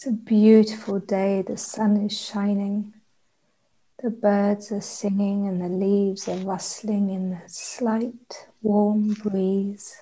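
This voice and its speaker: Very slowly, a woman speaks at medium pitch in a monotone, flat intonation, her somewhat breathy voice dark, mellow, gentle and soothing in tone. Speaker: meditation guide. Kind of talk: guided meditation. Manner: slow, soothing and unhurried; soft, gentle and calming.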